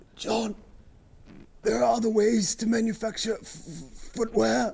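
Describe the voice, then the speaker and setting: In a put-on character voice, a man sounds raspy and high-pitched. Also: moderate pace. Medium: comedy sketch. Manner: solemn, portentous.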